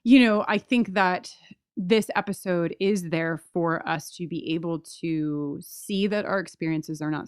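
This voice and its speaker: A woman co-hosting a podcast in casual, reflective chat, with an earnest, halting, informal way of talking. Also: lowish voice, no echo, studio quality. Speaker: podcast co-host.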